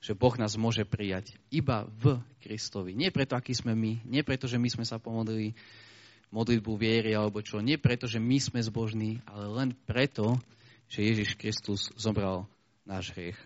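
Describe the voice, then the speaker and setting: A normal speaking voice, moderately paced, its intonation fairly even. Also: man, medium pitch for a man. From eastern Slovakia, Michalovce. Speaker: preacher. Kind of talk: sermon.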